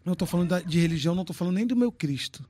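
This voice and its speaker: A man's voice: sits high, expressive, racing, dark tone. A man in his fifties from Brazil, talking loosely and frankly on a podcast, joking and swearing as he tells his story. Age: 50s. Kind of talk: casual podcast chat.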